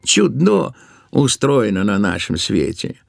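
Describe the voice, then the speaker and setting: A man narrating a literary tale for an audio play in an expressive, deliberate way, drawing out certain words. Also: fairly low pitch, creaky, no echo, studio quality. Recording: music behind the voice. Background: musical accompaniment.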